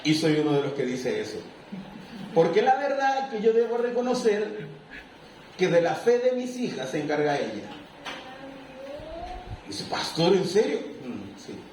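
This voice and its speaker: A man preaching a sermon as pastor, lively and animated, acting out little scenes. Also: high-pitched, a little hiss or hum. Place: church. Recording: echoey room, mic far off.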